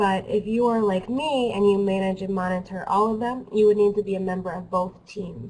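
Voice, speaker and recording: A plain, everyday voice runs at a fairly quick pace with hardly any pauses. The intonation stays fairly even. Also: woman, medium pitch for a woman. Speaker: webinar presenter. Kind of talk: webinar tutorial.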